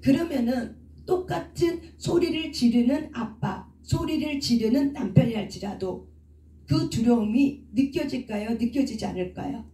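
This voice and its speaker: A woman's voice: fairly high pitch, normal speed, mellow, recorded from a distance. Woman preaching in an echoey hall. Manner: asks rhetorical questions and answers them herself. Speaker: counselor and preacher. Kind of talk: teaching sermon with questions to the congregation. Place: church prayer hall. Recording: echoey room, speaker away from the mic.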